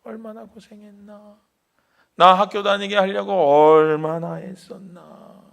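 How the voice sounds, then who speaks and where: A man's voice: high-pitched, takes it slowly, gravelly, full character voice. A man acting an earnest grateful young man. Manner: earnest heartfelt pleading. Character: grateful young man thanking the aunt who raised him.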